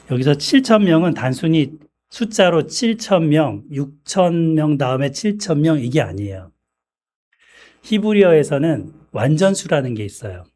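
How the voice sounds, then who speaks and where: A man preaching a sermon in a church, speaking in a measured way and often clearing his throat. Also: on the high side, dark tone. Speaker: pastor.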